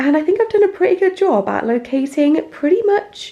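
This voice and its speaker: A woman with an English accent at a moderate pace, her pitch moving in very wide swings. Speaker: pet care YouTuber and small shop owner. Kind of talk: casual vlog talk.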